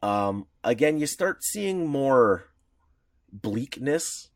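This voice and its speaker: A man's voice: mid-range voice, very animated, very slow, no echo, studio quality. A man co-hosting a podcast, chatting casually about comics history, rambling with lots of fillers and restarts. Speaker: podcast co-host.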